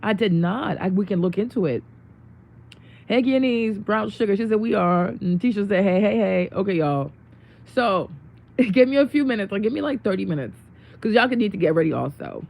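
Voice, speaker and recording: A young woman with a worn-out, hoarse voice chatting casually with viewers on her livestream, greeting them and laughing often. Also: mid-range voice, expressive, moderate pace, darkish tone. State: losing her voice. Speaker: livestream host. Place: home room.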